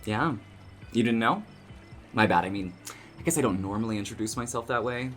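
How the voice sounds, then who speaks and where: A performer playing a gentle, exasperated young barista cryptid in an audio drama, with mild exclamations and a wry, chatty manner. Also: mid-range voice, a little fast, soft background music, close to an everyday voice.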